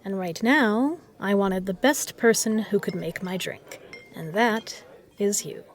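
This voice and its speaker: Female actor as self-assured, exacting bar patron, flirtatious yet protective; formal, measured delivery for scripted audio roleplay. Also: mid-range voice, expressive, lightly acted. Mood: warm, flirtatious.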